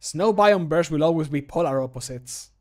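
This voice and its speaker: A man's voice: on the high side, normal speed, close to an everyday voice. A man voicing a cocky, punning older adventurer for video game lines, with a jokey, lightly taunting delivery. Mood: dry, punning. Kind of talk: game voice line takes.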